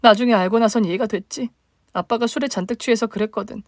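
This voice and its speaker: A woman's voice: a little high, quick pace, darkish tone, dry recording, studio quality, lightly acted. A woman voicing a hurt young single mother, the younger sister, speaking plaintively in a dramatized story. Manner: plaintive, emotional questioning.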